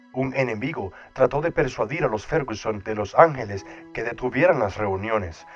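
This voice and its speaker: A man reading a first-person account aloud in a solemn, devotional manner. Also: medium pitch. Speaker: audiobook narrator. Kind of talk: scripted first-person narration. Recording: dull lo-fi sound with soft music behind. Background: soft background music.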